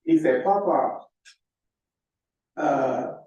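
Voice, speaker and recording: A man's voice: a little high, drawn-out words, dark tone, lo-fi sound. A man in his sixties giving an earnest public comment at a city council meeting, telling a story and pleading for unity. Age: 60s. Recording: echoey council chamber from far off.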